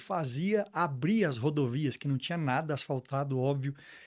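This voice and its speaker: A man speaks with a fairly high pitch and ordinary pitch variation on a very clean recording with a silent background. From Brazil, Mato Grosso. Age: 40s. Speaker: entrepreneur and teacher. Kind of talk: podcast interview.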